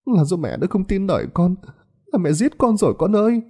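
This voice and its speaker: A man's voice: high-pitched, sing-song, a little fast, warm tone, voice pushed up. A man voicing a grieving young mother who wails and pleads in tears. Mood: frantic wailing. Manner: wailing, pleading, sobbing.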